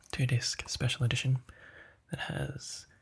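Soft-spoken and somewhat breathy, a man talks at a moderate pace with monotone, flat intonation. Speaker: video creator. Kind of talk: casual vlog chat. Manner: soft-spoken, quiet close-mic voice. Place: home room. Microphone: studio mic.

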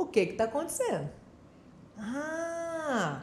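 There is light background noise and audible room echo around this woman's voice. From Paraná, southern Brazil (Maringá); Paraná, Brazil. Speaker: educator, educational psychologist; guest. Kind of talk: casual chat. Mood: warm, animated, smiling. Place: studio.

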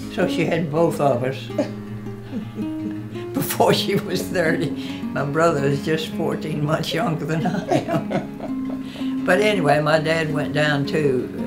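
Someone with a Southern US accent speaks at a very slow pace over loud music in the background. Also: woman. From Florida. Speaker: retired teacher. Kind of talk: interview answer. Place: home room.

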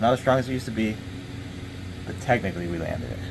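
Light background noise can be heard. A man speaks in a fairly low pitch. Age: 30s. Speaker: motorcycle YouTuber. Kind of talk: casual vlog monologue. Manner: animated. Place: garage. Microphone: phone near.

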